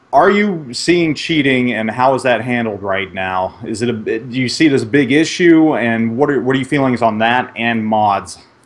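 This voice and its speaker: A man with an unremarkable speaking voice talks at a moderate pace and medium pitch, with hardly any pauses. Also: lively intonation. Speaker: podcast host. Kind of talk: podcast interview.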